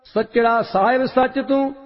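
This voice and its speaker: Very high-voiced man chanting hymns slowly. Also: fairly even intonation. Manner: measured, sing-song intoning. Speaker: scripture reciter. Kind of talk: slow chanted recitation of hymns. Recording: long reverb, dull lo-fi sound, faint music.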